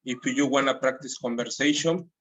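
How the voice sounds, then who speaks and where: A man with a Mexican Spanish accent, teaching English from a textbook and reading the lines slowly with restarts. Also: mid-range voice, fairly bright tone. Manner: reads slowly, with restarts and nonstandard grammar. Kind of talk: textbook lesson, repeating audio lines.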